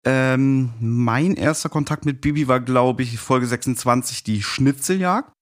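A man's voice: mid-range voice, measured pace. A man of forty telling personal stories casually as a guest on a podcast. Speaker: podcast guest, fan of audio plays.

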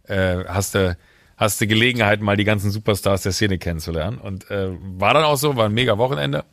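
A man from the Düsseldorf area, a podcast co-host, telling a lively story in casual chat and acting out the dialogue. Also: on the low side, a little fast, no echo, clean studio sound. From Düsseldorf area, Germany. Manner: lively storyteller who acts out quoted dialogue; many fillers and restarts.

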